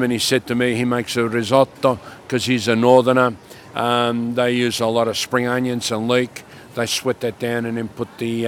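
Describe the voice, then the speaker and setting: An older man, a market produce seller in casual radio chat, his voice croaky from a cough, plainspoken and practical. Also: medium pitch, slight background noise.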